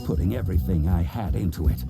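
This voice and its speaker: A man playing a gruff crocodile detective who narrates his case in melodramatic, flowery audio-drama style. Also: sits low, quick pace. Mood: earnest, dramatic. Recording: loud music under the voice.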